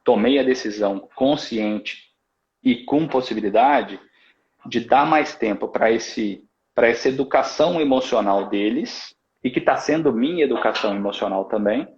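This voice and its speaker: Gravelly Brazilian man, reflective storyteller. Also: medium pitch, moderate pace, darkish tone. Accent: Brazilian Portuguese. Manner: reflective storytelling, many tag questions. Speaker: host. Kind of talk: casual live-stream chat. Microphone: video call. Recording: dull lo-fi live-stream audio.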